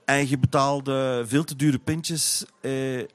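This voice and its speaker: Flemish man, halting and conversational. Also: medium pitch, fairly even intonation. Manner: halting, often repeats words while searching for phrasing. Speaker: interview guest, teacher. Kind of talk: casual chat about music.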